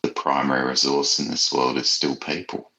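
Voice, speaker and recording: A man speaking as an author guest in an interview, explaining his ideas in a thoughtful, halting, measured way. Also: rumbling low, flat delivery, vocal fry, bright, forceful tone, low-quality recording.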